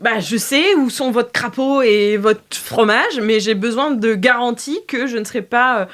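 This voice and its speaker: A woman's voice: a little high, normal speed, fairly bright tone, natural voice. A woman playing a cornered potion maker in an improvised role-play, hesitant and defensive as she bargains for her life.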